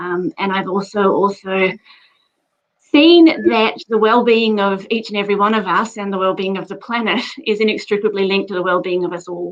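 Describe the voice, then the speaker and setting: A woman with an Australian accent talks at a moderate pace. Her pitch is medium, with ordinary pitch variation. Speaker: diversity and inclusion executive. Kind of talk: panel discussion.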